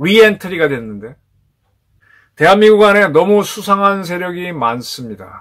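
A man with lively intonation talks at a moderate pace, the background quiet. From South Korea. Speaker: political commentator. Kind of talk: monologue commentary. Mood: indignant, urgent. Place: home room.

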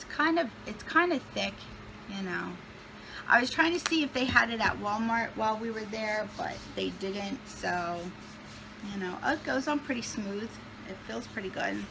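Speaking at a moderate pace with lively intonation, a woman leaves long, frequent pauses over noticeable background noise. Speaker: YouTuber. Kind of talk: casual haul video. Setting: home sofa. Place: home room. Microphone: phone near.

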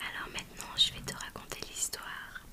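The voice is whispering. The pace is very slow. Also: woman. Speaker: ASMR creator. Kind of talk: ASMR story reading. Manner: whispered, soft. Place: home room. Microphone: studio mic.

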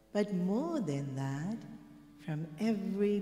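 A woman at a very slow pace, with audible room echo and faint music in the background. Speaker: spiritual storyteller. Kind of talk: storytelling talk. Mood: warm, gentle. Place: hall.

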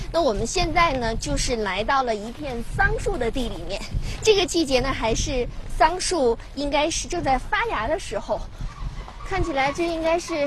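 Noticeable background noise accompanies a voice whose pitch swings very widely. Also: woman, dry sound with no echo. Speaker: travel show presenter; presenter. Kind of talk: on-location presenting and interviews. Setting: outdoors. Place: open country.

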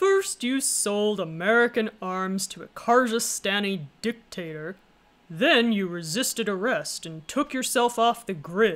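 In a put-on character voice, a female-sounding speaker talks slowly-ish, at a fairly slow pace and medium pitch. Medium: game stream. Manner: menacing, cold, taunting.

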